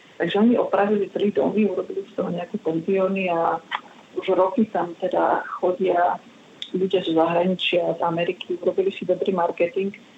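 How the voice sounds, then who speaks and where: There is noticeable background noise as a woman with a medium pitch talks at a fairly quick pace with fairly even intonation. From Slovakia, Prešov. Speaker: traveller living abroad. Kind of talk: interview.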